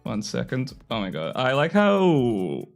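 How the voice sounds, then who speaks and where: A young man with a slightly hoarse throat, chatting casually on a live stream in a rambling, self-deprecating way. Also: mid-range voice, wildly swooping pitch, a little slow, faint music behind. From Australia.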